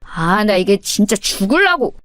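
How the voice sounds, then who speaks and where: A woman voicing a menacing teenage boy bully who talks in a rough, threatening way. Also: medium pitch, sing-song, moderate pace, a bit bright, no room sound, studio quality, faint music behind.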